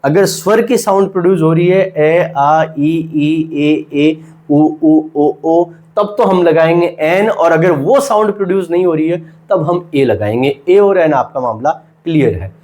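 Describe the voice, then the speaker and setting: A man's voice: fairly high pitch, a little slow, a little mellow. A man teaching a grammar lesson, asking rhetorical questions, voicing his students' questions himself and answering them. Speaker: English teacher. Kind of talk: classroom lesson.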